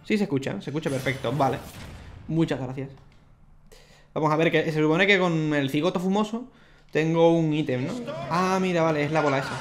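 A young man, chatting excitedly and laughing often as he plays through a video game. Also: on the high side, a little fast. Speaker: gaming YouTuber. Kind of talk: let's play commentary. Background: faint game music.

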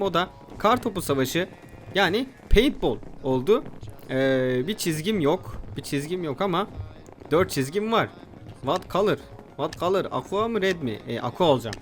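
A young man with a fairly high-pitched voice hosts his gaming channel, delivering excitable let's play commentary and shouting at his opponents.

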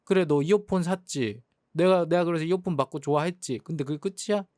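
A man's voice: fairly high pitch, brisk, darkish tone, dry recording, studio quality, lightly acted. Hurt, sulky young boyfriend, a man playing. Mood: exasperated. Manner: sulky, hurt, exasperated complaining. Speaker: jealous boyfriend in role-play. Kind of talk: boyfriend role-play drama.

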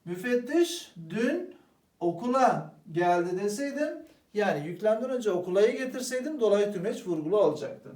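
A man's voice: sits high, moderate pace, far from the mic. A man teaching an exam-prep grammar lesson, speaking to the students as friends and answering his own questions. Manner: lively, addresses students as "arkadaşlar", asks and answers own questions. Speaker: Turkish language teacher. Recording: roomy echo, voice a bit off-mic.

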